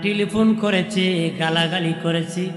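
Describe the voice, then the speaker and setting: High chanting preacher over echoing speakers. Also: male voice, steady tone, measured pace, soft background music. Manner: swings from soft talk to high chanted calls. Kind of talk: Bengali waz sermon, chanting. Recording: echoey long reverb through PA.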